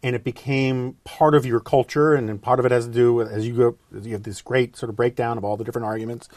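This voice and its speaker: A man hosting a podcast, chatty and relaxed with many fillers. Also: mid-range voice, quick pace, dry recording, clean studio sound. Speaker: podcast host. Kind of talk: casual podcast interview.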